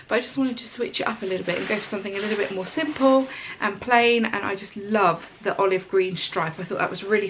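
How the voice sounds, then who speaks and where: Stuffy-nosed woman gushing away on her bedroom floor, mid pitch, bit of faint hiss. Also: a bit bright, rough recording. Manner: bubbly and gushing, chatty asides. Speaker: home and lifestyle vlogger. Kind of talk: casual chatty haul video.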